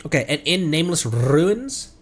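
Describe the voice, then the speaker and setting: A man's voice: fairly high pitch, very animated, moderate pace. A man giving casual live gameplay commentary as a streamer, chatty and thinking aloud. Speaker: video game streamer. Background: faint game music.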